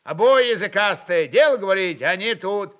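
Man as stern, forceful Cossack captain. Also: sits high, lively intonation, moderate pace, voice pushed up. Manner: curt, barking orders. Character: stern, commanding Cossack captain, gruff and impatient.

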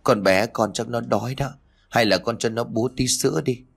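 A man voicing a gentle, patient old grandmother who speaks softly and humbly. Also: mid-range voice, moderate pace, vocal fry, husky. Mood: pleading. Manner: soft, pleading, humble.

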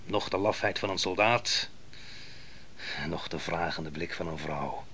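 An actor playing an imperious, impatient ancient army commander in a Dutch radio play, gruff, scornful and curt. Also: male voice, deep voice, sharp tone, slight background noise. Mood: grave, knowing. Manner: commanding, curt, quick to bark orders.

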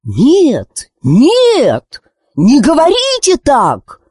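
A woman reading a children's story and voicing a wise, kindly talking bird that croaks earnestly. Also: high voice, wildly swooping pitch, extremely slow, darkish tone, no echo, studio quality, voice pushed up, heavily acted.

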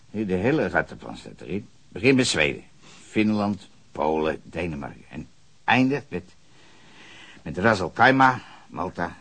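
An actor playing a gruff, volatile old male sea captain, blustering and breaking into furious shouting. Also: very deep voice, heavily acted. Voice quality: gravelly, growling. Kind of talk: radio drama acting.

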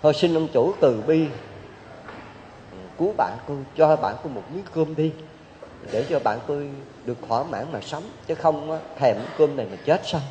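A man's voice: fairly high pitch, expressive, normal speed, warm tone, a little hiss or hum, close to an everyday voice. Monk playing a loyal city man, earnest, beseeching, dull hall reverb. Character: loyal city man begging for his friend.

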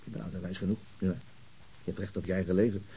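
An actor playing a meek, hesitant middle-aged father with a husky voice and a Netherlands Dutch accent in a radio drama, speaking haltingly and evasively. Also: low voice, little pitch movement, dark tone, slight background noise, rough recording. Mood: awkward, hesitant.

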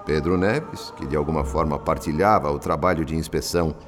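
A Brazilian actor playing a calm, compassionate male spirit who narrates a radio drama in a solemn, deliberate, literary manner. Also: a bass voice, music in the background. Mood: solemn, reflective.

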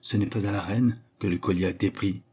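Man playing an anxious court jeweler, pleading, insistent, low husky voice, storybook reading. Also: fairly even intonation, quick pace, dark tone.

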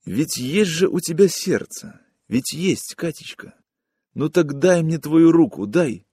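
A man voicing a drunk, weeping young man who pleads in a hushed, near-whispered voice. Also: a little high, lively intonation, slow, breathy edge, no room sound, studio quality, pitched above the performer's own voice, exaggerated voice. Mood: pleading.

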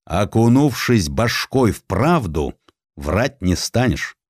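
A man's voice: on the low side, sing-song, slow pace, no room sound, studio quality, full character voice. Man acting a blunt, commanding old-time Russian governor. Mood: stern, deliberate. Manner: gruff, peremptory, curt. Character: blunt, commanding 19th-century Russian governor, coarse and decisive.

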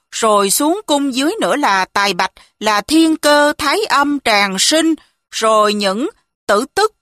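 Brief: woman narrator, high pitch, slow emotional first-person storytelling. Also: a bit bright, dry recording, clean studio sound.

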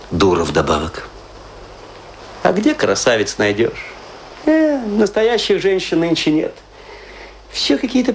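A man's voice: mid-range voice, a little hiss or hum. A man playing a tipsy, self-pitying middle-aged washed-up actor, rambling confessionally in a theatrical radio play monologue. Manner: rambling confessional, swinging between lament and mock pride.

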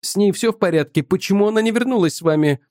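A man's voice: sits high, fast talker, a little mellow, dry recording, clean studio sound, pitched above the performer's own voice, close to an everyday voice. Field: audiobook. Figure: impatient young man voiced by a man. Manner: urgent, insistent. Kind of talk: audiobook character voice.

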